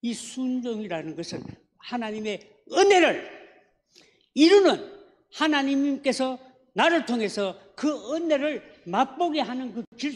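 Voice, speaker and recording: A man with a Gyeongsang accent preaching a sermon as a pastor in a church, often asking the congregation questions. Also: extremely high pitch. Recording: echoey church hall.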